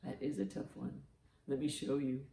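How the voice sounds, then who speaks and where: Extremely low in pitch and dark in tone, her voice moves at a normal speed over a slight hiss or hum. As a storytime host she reads and asks riddles of young children, warmly encouraging and overdoing her reactions. The room is echoing.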